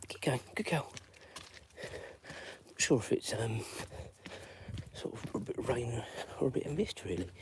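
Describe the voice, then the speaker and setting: A man chats loosely to his live-stream viewers as he walks his dog along a drizzly residential street. His talk rambles and is full of fillers. He sits at a middling pitch, and a faint background hiss comes through. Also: expressive, measured pace, long pauses. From London. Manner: rambling, chatty, lots of fillers. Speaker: vlogger walking his dog. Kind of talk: live-stream walking chat.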